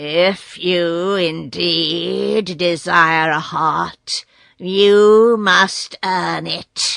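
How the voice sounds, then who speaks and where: A woman speaks in a put-on character voice at a fairly low pitch. Her pace is very slow. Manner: gruff.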